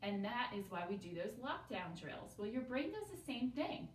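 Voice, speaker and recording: A fairly high-voiced woman leads an elementary lesson in a patient, sing-song teaching voice, leading the class through repeat-after-me phrases. Her voice sounds a little far from the mic and echoes in a roomy space with faint background hum. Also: sing-song, moderate pace. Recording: echoey room, voice from a distance.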